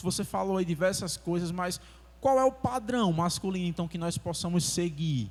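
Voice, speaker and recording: A man's voice, high in pitch. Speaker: deacon preaching. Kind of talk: sermon.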